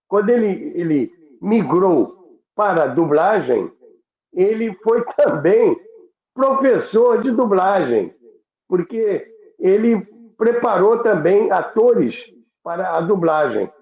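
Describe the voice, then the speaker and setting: A Brazilian man hosting a reminiscing talk, halting and repeating words as he searches for them, on a roomy, dull recording. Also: on the high side. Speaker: host of a radio history show.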